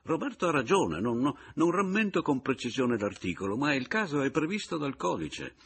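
A man voicing a self-assured young lawyer with a superior, lecturing manner and a husky voice. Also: medium pitch, very animated, moderate pace, fairly bright tone, pitched above the performer's own voice, full character voice. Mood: condescending. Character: smug young male lawyer, superior air.

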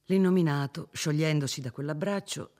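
A man narrating an audiobook of a classic novel in a measured, expressive reading. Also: a little high.

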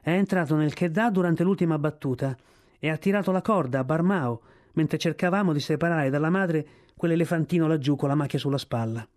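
A man's voice: on the high side, brisk, a little mellow, close to an everyday voice. A man reading aloud, voicing a matter-of-fact head elephant catcher.

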